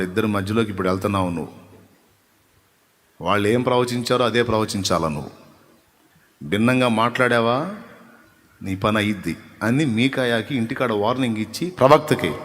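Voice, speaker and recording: Male preacher, mid-range pitch, emphatic and rhythmic, long church reverb. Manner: emphatic preaching, swings between soft and loud repeated phrases. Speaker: pastor. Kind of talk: Sunday sermon. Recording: echoey hall reverb.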